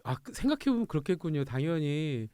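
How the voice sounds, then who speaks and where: A man's voice: a little high, big pitch swings, brisk, mellow, clear, resonant tone, dry recording. A man hosting a radio talk show, telling stories animatedly and laughing often in a studio. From Incheon, South Korea.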